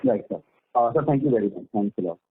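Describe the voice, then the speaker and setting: A man's voice: mid-range voice, big pitch swings, fast, vocal fry. A man with an Indian accent politely questioning company management as an analyst on a conference call. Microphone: phone conference line. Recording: narrowband, tinny phone line.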